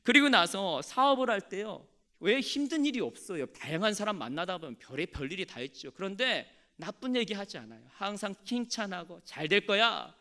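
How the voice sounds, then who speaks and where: A man's voice: high voice, animated, fairly quick, few pauses, pushed and bright. A male pastor delivering a sermon, telling stories with animation and calling on the congregation to respond.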